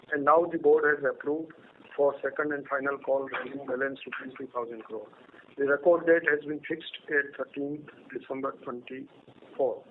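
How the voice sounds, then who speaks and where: A man with an Indian accent and a fairly high voice reads a formal financial presentation. The sound is a thin phone line with some background noise. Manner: formal, reading out figures. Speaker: company executive presenting results.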